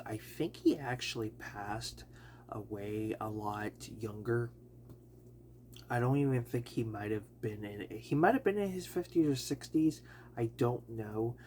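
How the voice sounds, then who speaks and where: A man gives a casual film review in a slightly raspy voice, worn down by allergies. He talks slowly and in a low register, wandering off with fillers and correcting himself as he goes. A faint hum sits under the recording. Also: a little mellow. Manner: rambling, many fillers and self-corrections.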